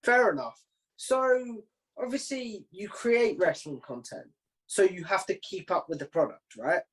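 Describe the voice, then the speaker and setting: A man's voice: high-pitched, animated, measured pace, a bit bright, low-quality recording. A man hosting a casual, informal interview, asking questions in a conversational way. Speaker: interviewer, host.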